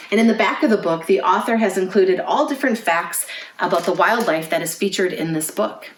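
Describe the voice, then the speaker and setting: A woman with a slightly low voice leads a storytime for young children. She phrases things clearly and invites listeners to answer questions as she reads. The recording is roomy, with noticeable echo around her voice. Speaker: children's librarian, storytime host. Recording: roomy, echoey indoor sound.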